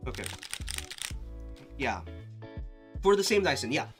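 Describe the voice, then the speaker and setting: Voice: mid-range voice, very animated, a little slow, faint music behind. A live streamer casually thinking aloud, muttering to themself with restarts and sudden exclamations. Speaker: live streamer testing keyboards.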